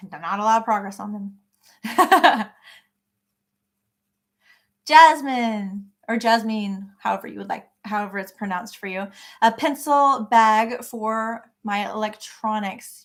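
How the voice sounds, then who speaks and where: A woman's voice: mid-range voice, a bit bright. A woman hosting a live crochet session, chatting casually and answering viewer comments by name in an encouraging way. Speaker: crochet livestream host. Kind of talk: casual livestream chat reading comments.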